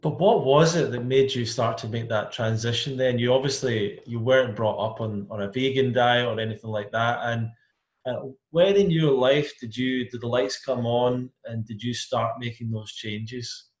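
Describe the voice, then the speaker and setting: An upbeat male host introduces and questions his guest in a rambling way, padding his sentences with fillers. His voice sits at an ordinary pitch, and his room sounds noticeably echoey. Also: moderate pace. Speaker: interview host. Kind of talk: casual interview. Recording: roomy echo.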